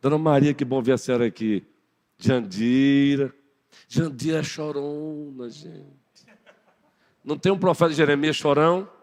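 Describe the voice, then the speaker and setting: A man's voice: medium pitch, normal speed, long pauses, darkish tone. A man with a Brazilian Portuguese accent giving a Sunday morning sermon, playfully teasing his congregation. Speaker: pastor. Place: church sanctuary. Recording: long church hall reverb.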